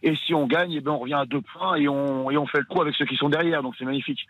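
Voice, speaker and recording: A man from northern France chatting casually as a football supporter, halting as he searches for words, on a band-limited line. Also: fairly high pitch, steady tone, dry recording, phone-quality sound. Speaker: football supporter calling into a radio show. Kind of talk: casual fan chat.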